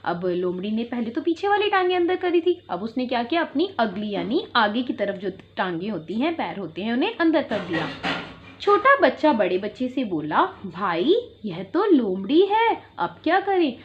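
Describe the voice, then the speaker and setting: A woman's voice: on the high side, sing-song, normal speed, lo-fi sound. A woman teacher telling a story to young children in an online class, explaining simply and checking in often. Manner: explains and repeats simply, checks in with "theek hai".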